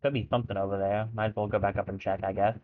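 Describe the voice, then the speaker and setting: Over a tinny, phone-like line, a man with a lowish, fairly monotone voice races through casual let's-play commentary. He streams a video game, thinking aloud and cracking wry jokes at his own expense.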